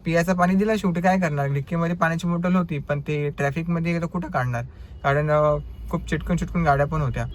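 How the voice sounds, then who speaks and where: A young man with a Marathi accent, telling the story of his driving trips in a casual vlog with lively, animated delivery. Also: fairly high pitch, fast. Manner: animated storytelling, acts out quoted customers. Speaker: ride-hailing driver vlogger.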